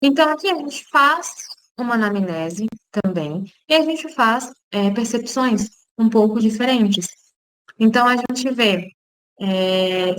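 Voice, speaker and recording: A woman's voice: fairly high pitch, no echo, rough recording. A woman who is a speech therapist, explaining in an informal online lecture and checking in often with listeners, with a Brazilian Portuguese accent. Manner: casual, explanatory, frequent "tá?" check-ins.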